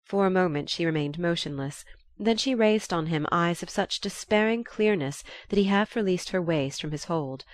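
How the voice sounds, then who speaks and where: A woman narrating a novel aloud in a calm, even storytelling manner. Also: on the low side, normal speed, no echo. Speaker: audiobook reader.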